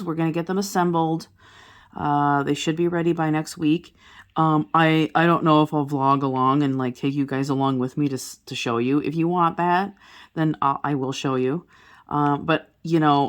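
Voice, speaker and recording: A woman in her forties chatting casually to her viewers as a crafting vlogger, rambling with many fillers and restarts. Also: sits low. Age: 40s. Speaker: diamond painting vlogger.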